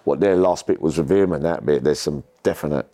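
Very deep-voiced man, rambling and slangy. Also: a little fast, mellow, no room sound. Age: middle-aged. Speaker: podcast guest. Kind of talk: casual chat, personal storytelling.

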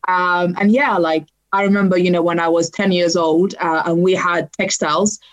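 A woman's voice: fairly low pitch, fairly even intonation, normal speed. A young woman from Libya who grew up in Sweden, talking casually as a podcast guest, with many fillers and restarts. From Libya, raised in Sweden. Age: young adult. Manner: chatty, many fillers and restarts, laughs lightly. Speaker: podcast guest, writer and activist. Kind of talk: casual interview chat.

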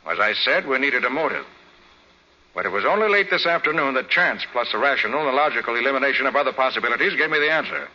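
Shrewd commanding detective, very sharp forceful voice, husky edge, brisk clipped authority, dull 1940s radio recording. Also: male voice, medium pitch, lively intonation. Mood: commanding, expository. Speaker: actor.

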